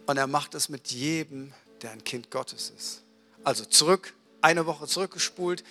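A man preaching a sermon in a lively storytelling way, acting out little dialogues as he goes. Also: a little high, normal speed, soft background music. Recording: reverberant hall.

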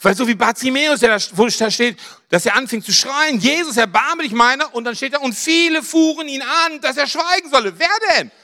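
A man preaching a sermon, dramatic, rising to near-shouts on key phrases and dropping low and quiet for asides. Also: brisk.

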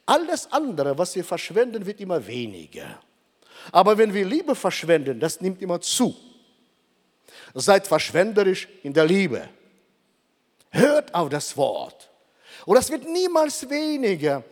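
An older man preaching a sermon, emphatic and slowing down for dramatic pauses. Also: high-pitched, huge pitch swings, long reverb tail.

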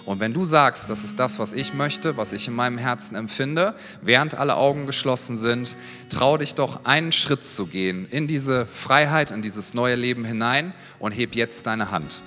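A man's voice: mid-range voice, expressive, normal speed. Fervent preacher man in a reverberant church. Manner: earnest, pleading, rising into fervent prayer. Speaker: pastor. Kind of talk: sermon with altar-call prayer. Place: church service in a large room. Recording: church hall reverb with soft guitar.

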